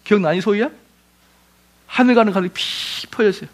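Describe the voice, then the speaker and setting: A man's voice: high voice, a little fast. A middle-aged male pastor giving a lecture-style sermon, firing rhetorical questions at his listeners and acting out quoted voices. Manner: animated, asks the audience rhetorical questions, acts out quoted voices.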